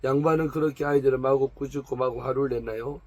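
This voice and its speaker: A man reading aloud the questions of a pastor's wife counseling a troubled woman, pointed and calm. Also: mid-range voice, fast talker, dry recording, close to an everyday voice. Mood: probing.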